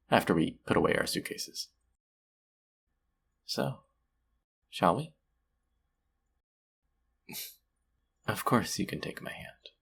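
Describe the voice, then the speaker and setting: Man playing a deep, husky romantic sweetheart. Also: full character voice. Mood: playful, happy. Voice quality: husky, gravelly low voice. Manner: soft, hesitant, tender, with pauses. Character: sweet, smitten young man, romantic stranger from a flight. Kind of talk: intimate romantic audio roleplay addressed to the listener.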